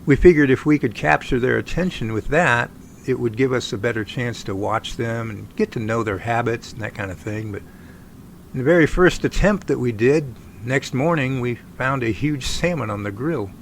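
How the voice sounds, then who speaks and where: A man playing an eager, friendly researcher in an audio drama, with a creaky voice and a chatty, enthusiastic manner. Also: medium pitch, lively intonation, moderate pace, a little hiss or hum. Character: eager, friendly Sasquatch researcher named Jerry. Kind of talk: amateur audio drama acting.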